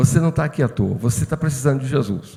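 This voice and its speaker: Vocal fry in a dark, mellow tone. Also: man. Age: 60s. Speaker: pastor. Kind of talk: sermon.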